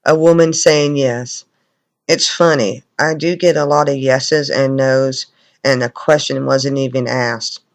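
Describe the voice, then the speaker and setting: A man's voice: medium pitch, steady tone, a little slow, vocal fry. A man commenting on recordings of spirit voices as a paranormal investigator.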